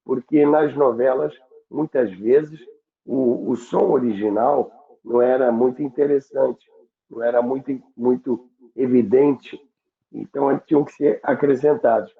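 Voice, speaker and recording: A Brazilian man explaining things in unscripted talk, didactic and halting, often repeating and rephrasing his points. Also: mid-range voice, steady tone, creaky. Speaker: radio history commentator and guest. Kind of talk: unscripted explanatory talk recalling broadcasting history. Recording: echoey, narrow phone-like call sound.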